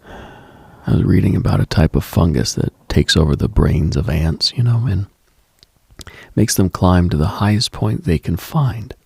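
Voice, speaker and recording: A late-night radio host, a man with a very low voice full of heavy vocal fry. He muses in a hushed, husky murmur, leaving long pauses, recorded close and dry. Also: dry recording. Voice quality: husky, gravelly, breathy. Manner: hushed, musing, pausing often. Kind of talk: slow late-night mystical radio monologue, ASMR-like.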